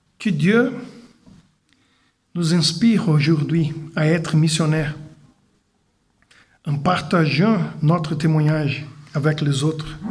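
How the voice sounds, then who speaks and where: A man with a fairly high pitch speaks at a very slow pace, leaving long, frequent pauses. His pitch varies in an ordinary way, and the room echo is audible. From Brazil. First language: Portuguese (speaking French). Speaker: preacher. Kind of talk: sermon. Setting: church. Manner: halting non-native French.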